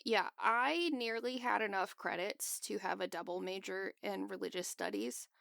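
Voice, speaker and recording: A woman's voice: mid-range voice, moderate pace, vocal fry, a bit bright, no echo, clean studio sound. A woman co-hosting a podcast, explaining a topic in a chatty, casual way. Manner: explanatory, chatty, laughs often. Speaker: podcast co-host. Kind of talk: casual chat.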